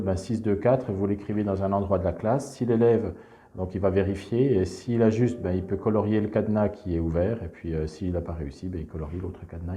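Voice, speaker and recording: A man calmly walking teachers through a classroom exercise, explaining step by step with frequent verbal fillers. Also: lowish voice. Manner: calm explanatory, frequent "donc" and "hein". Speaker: teacher presenting a reading method. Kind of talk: instructional screencast walkthrough.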